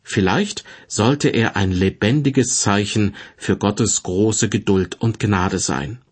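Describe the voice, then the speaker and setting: A man with a slightly husky voice reads a scripted Bible teaching in a measured, formal, didactic manner. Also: on the low side. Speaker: Bible teacher presenting a devotional broadcast. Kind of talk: scripted sermon-like narration, read aloud.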